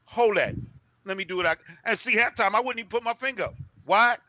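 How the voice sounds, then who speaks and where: A man's voice: sits high, quick pace, pushed and bright, muffled recording. A man who used to DJ, telling stories in an emphatic way during a casual chat. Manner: emphatic storyteller. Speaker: guest, former DJ.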